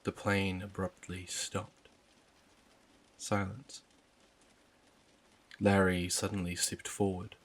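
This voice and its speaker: Deep slow male horror narrator. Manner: low, even, unhurried storytelling. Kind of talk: scripted first-person horror narration.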